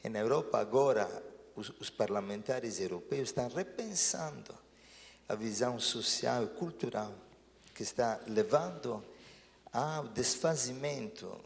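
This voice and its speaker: A priest telling stories and reflecting earnestly in a talk show conversation. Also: male voice, mid-range voice, expressive, unhurried, vocal fry, big-room sound.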